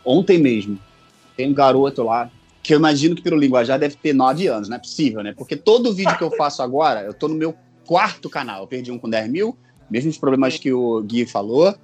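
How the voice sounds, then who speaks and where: A man's voice: medium pitch, expressive, brisk, a little mellow, slightly rough, faint music behind. A man with a Rio de Janeiro accent in casual podcast chat, talking in a joking, slangy, self-deprecating way. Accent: Rio de Janeiro Portuguese. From Rio de Janeiro, Brazil. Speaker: podcast guest, online content creator.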